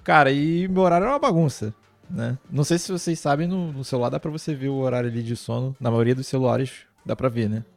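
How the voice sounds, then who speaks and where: A man's voice: mid-range voice, quick pace, creaky, no echo, faint music behind. A man in a casual chat, telling a story. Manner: easygoing, storytelling.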